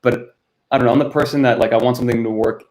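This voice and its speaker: A young Miami man hosts his first live stream from a cluttered room at home, casually chatting and answering viewers by name. His medium-pitched voice is steady, fast, and a little mellow. A built-in camera mic gives a rough recording of this Florida, United States speaker.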